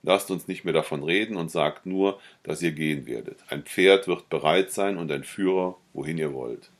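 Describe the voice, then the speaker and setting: A man's voice: low voice, normal speed. A man voicing Fenice, a proud and stern young woman, in firm, dismissive lines of a read-aloud novella.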